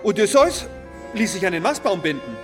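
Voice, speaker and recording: High, tipsy, pompous male orator. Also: very animated, normal speed. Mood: tipsy grandiose. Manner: declamatory, pompous. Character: tipsy man grandly orating about the ancient Greeks. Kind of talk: radio drama, grandiose speech. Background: music.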